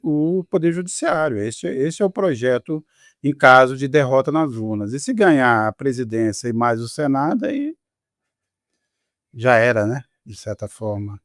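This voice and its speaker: A man's voice: medium pitch, lively intonation, normal speed, no room sound, clean studio sound. A man with a Brazilian Portuguese accent hosting a political discussion in a conversational, wry manner. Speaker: host. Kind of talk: casual panel discussion.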